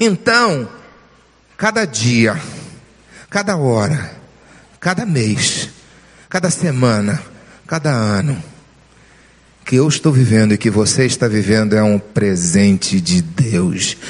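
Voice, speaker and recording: A man's very slow speech with long, frequent pauses, very even loudness and very wide pitch swings. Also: medium pitch for a man. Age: 60s. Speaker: pastor. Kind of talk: sermon. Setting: church.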